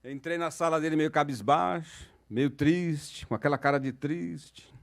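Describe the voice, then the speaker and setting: A man's voice: on the high side, measured pace, gravelly. A middle-aged man with a São Paulo accent, moderating a panel in an auditorium and telling a jokey story to the audience. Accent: São Paulo Portuguese. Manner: chatty, jokey, asks the crowd questions.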